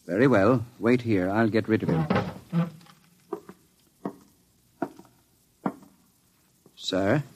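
An actor playing a secretive, proud older scientist in an old radio drama, formal, precise and earnest. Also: male voice, on the low side, expressive, unhurried, a little mellow, breathy edge. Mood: irritated. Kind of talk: 1950s radio drama acting.

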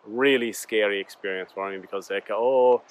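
A man's voice: lowish voice, normal speed. A man whose first language is Arabic, speaking English in a casual, earnest, rambling motivational monologue to his viewers. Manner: rambling, earnest, often addresses listeners as "guys". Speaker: YouTuber and podcast host.

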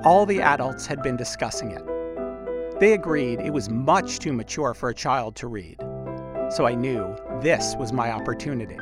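A man's voice: medium pitch, animated, moderate pace, loud music behind the voice. A man hosting a podcast, telling a personal story in scripted narration. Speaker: podcast host.

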